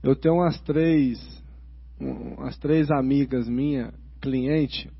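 Husky-voiced man chatting, dull lo-fi sound. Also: mid-range voice, fairly even intonation. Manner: chatty storyteller, quick asides and restarts. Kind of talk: casual chat about faith. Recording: dull lo-fi recording.

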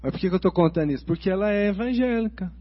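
A man chatting casually about faith, telling stories with quick asides and restarts. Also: high-pitched, expressive. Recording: dull lo-fi recording.

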